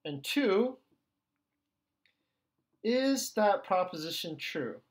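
A man teaching an ethics lesson in a relaxed, conversational way, often checking in with his listeners. His pitch swings widely and expressively. He drops into different tones as he acts out the questions he quotes. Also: very slow. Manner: conversational, checks in with "okay" and "right". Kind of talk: recorded lecture video.

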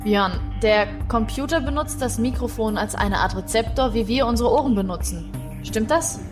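A woman playing an inquisitive, serious psychologist in a science fiction audio drama, speaking in a deliberate, probing way. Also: fairly high pitch, music in the background, close to an everyday voice.

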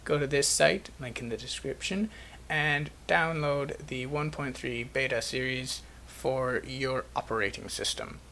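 A man's voice: mid-range voice, unhurried, vocal fry, pushed and bright. A man presenting an instructional screencast, explaining the steps as a tutorial narrator.

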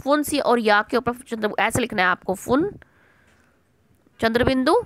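A woman's voice: on the high side, animated, moderate pace, a bit bright, no room sound. A middle-aged woman teacher giving an online language lesson to children, patiently repeating words and asking and answering her own questions.

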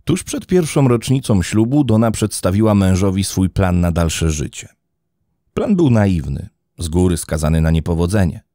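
Man, true-crime podcast narrator, dramatic reading, lively rise and fall, dry close recording. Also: low-pitched, moderate pace, no echo. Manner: dramatic, expressive storytelling read.

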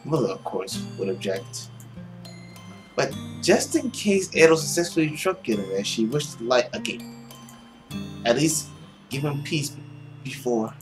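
A young man reading visual novel text aloud expressively, with his own commentary. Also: medium pitch. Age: young adult. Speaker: video game player and narrator. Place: small room at home, indoors. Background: game music.

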